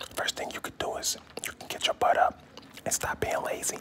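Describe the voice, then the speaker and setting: A soft-spoken man whispers at a fairly quick pace, with big swings in loudness. Noticeable background noise is present. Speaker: vlogger. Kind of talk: casual vlog chat. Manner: soft ASMR whisper, gum chewing. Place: home room. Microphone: phone near.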